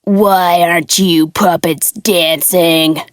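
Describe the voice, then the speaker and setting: A woman playing a nasty old puppet master in a storybook, her voice pushed lower and drawn out slowly. He growls his lines with a menacing drag, recorded dry and close. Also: steady tone, no room sound.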